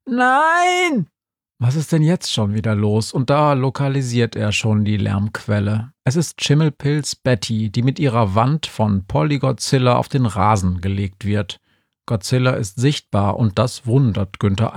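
A man's voice: mid-range voice, a little mellow, no echo. A man reading an audiobook in a dry, matter-of-fact storytelling manner. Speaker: narrator. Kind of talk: audiobook narration.

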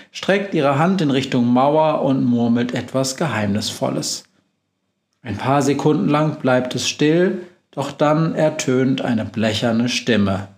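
A man reading a children's story aloud in a measured, expressive way. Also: mid-range voice, roomy sound. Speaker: narrator.

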